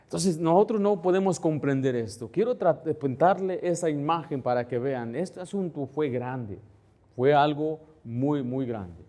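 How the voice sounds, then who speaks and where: A male pastor preaching a conversational sermon, asking the congregation to follow along in the text and rising louder when he stresses a point. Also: a little high, animated, measured pace.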